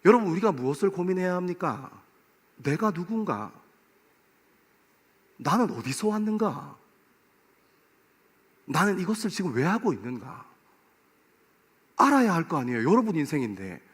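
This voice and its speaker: A pastor in his forties preaching to a young adults service in a church, playful and lively, acting out little scenes. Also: high-pitched, normal speed, long pauses, slightly rough. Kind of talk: sermon. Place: church sanctuary. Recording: long hall reverb.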